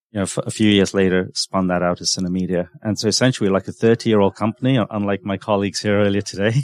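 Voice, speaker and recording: A man with a London accent speaks at a fairly quick pace in a fairly low voice. His intonation is monotone and flat, with a dry, close sound and no echo. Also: very clean recording, silent background. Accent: British English, London. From London, England. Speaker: technology executive. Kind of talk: interview.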